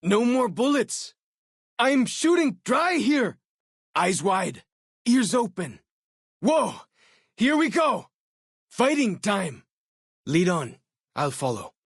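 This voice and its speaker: Eager young tribal scout, clean and dry. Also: male voice, high voice, big pitch swings, slow pace, pauses often, breathy edge, dry recording, exaggerated voice. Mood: urgent, agitated, then casual, watchful. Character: eager young tribal scout, jumpy but loyal companion. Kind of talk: video game character voice acting.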